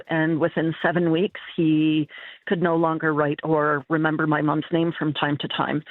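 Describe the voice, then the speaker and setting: A middle-aged woman calling in to a radio show, giving a personal account in a steady, earnest way. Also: sits low, dry recording. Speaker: caller. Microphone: telephone. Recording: tinny phone line.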